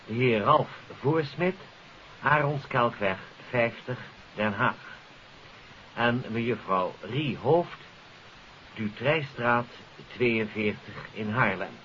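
A man's voice: mid-range voice, slow, bright, forceful tone. A man presenting on 1950s radio, addressing listeners in a formal, courteous, scripted announcement. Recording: hissy, dull 1950s radio recording.

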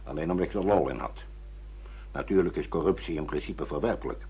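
An older actor playing a stern, pragmatic father who lectures and reproaches, with a raspy voice, in a Dutch radio play. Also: rumbling low, fairly quick, full character voice. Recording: dull lo-fi radio play recording.

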